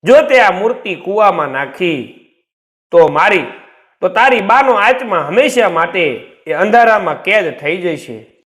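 A man's voice: high-pitched, animated, measured pace, a bit bright. A man narrating a story voices an eerie, menacing old woman with white eyes. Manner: taunting, ominous warning.

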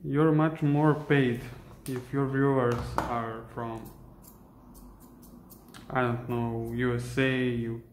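A young man with a Serbian accent, a dog groomer chatting casually while he works, halting and searching for English words. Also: medium pitch, little pitch movement, a little hiss or hum. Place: indoor grooming room. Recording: echoey room.

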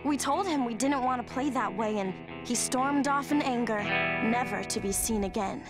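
A woman's voice: on the high side, moderate pace, over loud music, lightly acted. A woman playing a bold young girl who talks with threatening bluster in a cartoon. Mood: storytelling. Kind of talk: cartoon voice acting.

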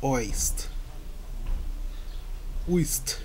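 Very slow-reading Brazilian man. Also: a little mellow, a little hiss or hum. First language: Portuguese. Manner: repeats words and phrases, hesitant. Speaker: English learner. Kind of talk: halting read-aloud pronunciation practice.

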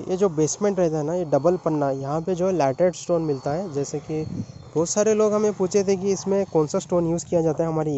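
A young man walks through an outdoor building site, explaining the work in a relaxed mix of Hindi and English with frequent fillers. His voice sits a little high yet mellow. The handheld phone sound is slightly dull, with faint outdoor noise behind him. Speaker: civil engineering vlogger. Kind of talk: walking site tour vlog. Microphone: phone held at arm's length.

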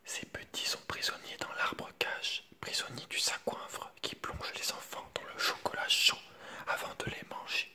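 A man reads a children's picture book at a measured pace, whispering in a hushed, unvoiced library style for ASMR. Between passages, he offers relaxed asides to his viewers.

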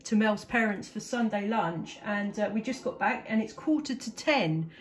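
A woman's voice: mid-range voice, lively intonation, normal speed. A woman with an English accent chatting casually as a CB radio operator, enthusiastic and talkative. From England. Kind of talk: casual two-way radio chat.

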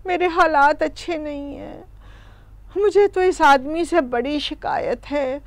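A woman's voice: high voice, no room sound. A woman voicing a tired old female cow who sighs and grumbles about her lot in a children's storybook telling. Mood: complaining. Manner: sighing, grumbling.

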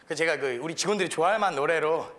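A man's voice: on the high side, rapid-fire, a bit bright. A man telling a comic story on a TV comedy stage, playful and shrieking when it gets wild. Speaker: stand-up comedian. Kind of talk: comedy monologue with sung parody. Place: TV studio stage with audience.

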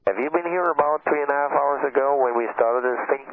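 Quick-talking male pilot on thin radio. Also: mid-range voice. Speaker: airline pilot. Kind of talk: casual radio chat. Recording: tinny radio, faint static.

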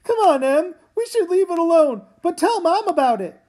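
A woman's voice: very high-pitched, sing-song, normal speed, dark tone, voice pushed up. A woman voicing a cautious young boy with a childlike, pleading manner in a comic read-aloud. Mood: anxious. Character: young boy, cautious, whiny little brother.

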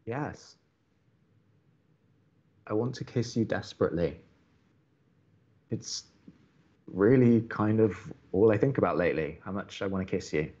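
A man playing an earnest, love-struck young college radio host in an audio drama, speaking in a deliberate, pleading way. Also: on the low side, warm tone, highs cut off, natural voice. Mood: earnest longing. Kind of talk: naturalistic audio drama acting.

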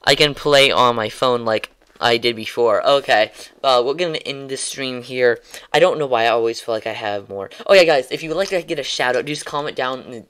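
This gaming streamer, a man with a mid-range, fairly bright and resonant voice, speaks clearly as he signs off his stream. His casual sign-off chat rambles, and he gets tongue-tied, restarting often, saying um a lot, and chuckling softly as he talks.

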